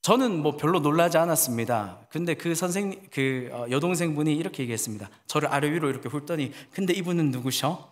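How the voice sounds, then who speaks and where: A man preaching a sermon as a pastor, telling a story in a lively way and acting out the people he quotes. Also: a little high, quick pace, few pauses, in a large hall.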